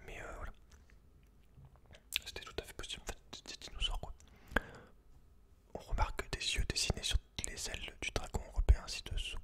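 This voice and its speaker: Whispering Frenchman, soft ASMR delivery. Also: normal speed, pauses often. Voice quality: breathy, unvoiced whisper. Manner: intimate, informal, addressing the listener directly. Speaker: ASMR video host. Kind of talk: whispered ASMR, reading a book aloud with casual asides.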